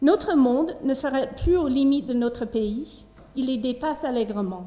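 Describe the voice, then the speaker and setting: A woman's high-pitched, dark and mellow voice with a non-native accent. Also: lively intonation, moderate pace. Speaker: politician. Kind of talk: formal opening speech. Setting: remote video link. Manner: formal.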